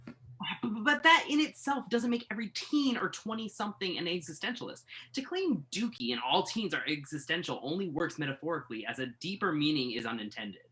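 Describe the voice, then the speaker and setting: Actor doing a skeptical journalist in a play reading, wry and questioning, voice bright and really animated. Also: medium pitch, fairly quick. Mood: argumentative. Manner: argumentative, questioning. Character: skeptical, wry entertainment journalist debating music. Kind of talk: conversational dramatic play reading. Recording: virtual reading over internet call.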